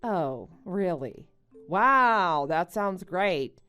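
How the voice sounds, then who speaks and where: A woman's voice: fairly low pitch, expressive, extremely slow, sharp tone, clear, resonant tone, faint music behind, full character voice. A woman playing a level-headed young married woman, a betrayed friend who answers firmly and with exasperation in a story drama. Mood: politely guarded. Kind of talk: melodramatic animated-story voice acting.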